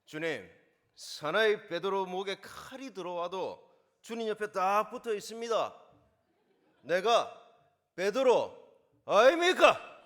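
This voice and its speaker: A male pastor voicing a brash, boastful male disciple with a Gyeongsang accent, declaring loudly and proudly. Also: sits high, sing-song, slow pace, voice pushed up, exaggerated voice. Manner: loud swaggering declaration.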